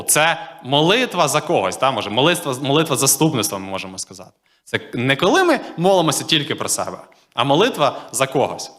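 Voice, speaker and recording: A man's voice: medium pitch, sharp tone. A man preaching a sermon in a conversational way, reading scripture passages aloud and often checking in with his listeners. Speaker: pastor.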